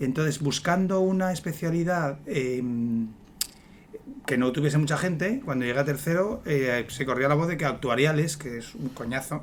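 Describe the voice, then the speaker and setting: Lively intonation from a man with a fairly high pitch and a plain, everyday voice. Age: 50s. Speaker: event organizer. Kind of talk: casual chat.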